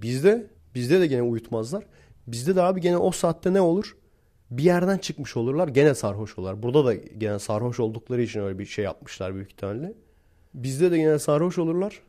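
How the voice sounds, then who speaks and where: A young Turkish vlogger with a mid-range, dark-toned voice tells stories to his viewers in a casual monologue. He's blunt and slangy, chuckling between points.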